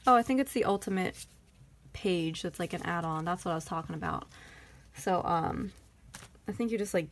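A woman's voice: on the low side, creaky, slight background noise. A woman with a Texan accent chatting casually through a planner sticker haul, rambling and thinking aloud. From Texas. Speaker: planner vlogger.

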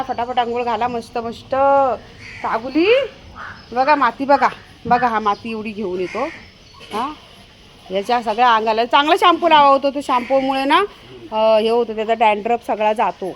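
High-voiced chatty woman vlogger. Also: a bit bright, slight background noise. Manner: chatty, often calls out sharply to a dog. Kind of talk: casual home vlog.

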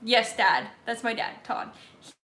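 A woman's voice: a little high, measured pace, bright, forceful tone. Chatty young woman, echoey kitchen. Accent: Southern US. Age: young adult. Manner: chatty, reads and answers viewer comments aloud. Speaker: vlogger live-streaming. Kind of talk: casual live-stream chat while baking. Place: home kitchen, indoors. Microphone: laptop or phone camera at table distance. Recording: echoey kitchen room sound.

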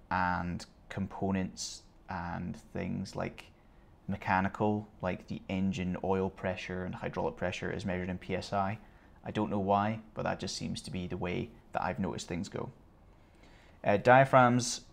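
Gravelly low-voiced male instructor. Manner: relaxed, conversational teaching with casual asides. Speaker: flight theory instructor. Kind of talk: explanatory online lesson.

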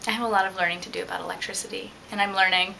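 A woman's voice: medium pitch, level tone, racing, vocal fry, bright, forceful tone, slight background noise, poor audio. A young adult woman talking casually and reflectively as an interviewee about her own life, seated indoors. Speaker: liveaboard sailor being interviewed.

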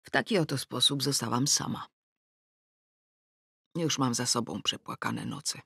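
A middle-aged woman reading a first-person novel aloud, wry and ironic, with sudden rises in pitch on the punchlines. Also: sing-song, unhurried, vocal fry, pushed and bright, husky, dry recording, studio quality. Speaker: audiobook narrator. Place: dry recording booth. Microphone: close studio mic.

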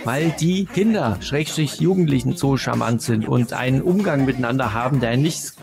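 A man's voice: medium pitch, animated, moderate pace, creaky, music in the background. A man chatting casually and emphatically as a sardonic podcast co-host reviewing audio dramas.

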